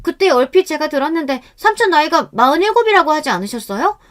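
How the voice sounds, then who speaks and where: Woman doing a bold teenage girl, high sweet voice, mock-innocent questions, storytelling radio drama. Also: very animated, fairly quick. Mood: sly teasing. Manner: bright, sweetly mocking questions. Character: clever eighteen-year-old girl, bold and needling.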